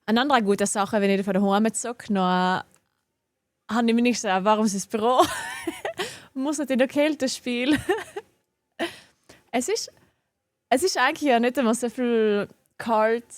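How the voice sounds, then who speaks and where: A woman's voice: on the high side, a little slow, long pauses, no echo. A young woman with a regional German dialect, chatting casually and giggling often while streaming a game from her home office. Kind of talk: casual live-stream chat while gaming.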